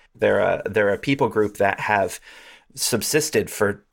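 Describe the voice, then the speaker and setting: An ordinary speaking voice, a man with an American accent talks at a moderate pace in a fairly low pitch with ordinary pitch variation, in a very clean recording with a silent background. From suburban New Jersey. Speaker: podcast host, pastor. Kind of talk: casual discussion.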